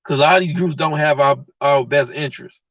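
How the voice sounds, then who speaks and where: A slightly high-voiced man talks fairly quickly as he hosts a livestream, ranting bluntly and heatedly in slang directly at his viewers. The recording is dry and comes through a dull lo-fi mic.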